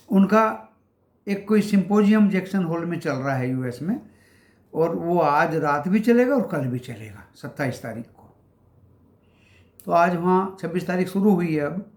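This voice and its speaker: A man hosting a stock market channel, giving casual market commentary. He calls his viewers friends and walks through price levels with many pauses. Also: fairly high pitch, echoey room.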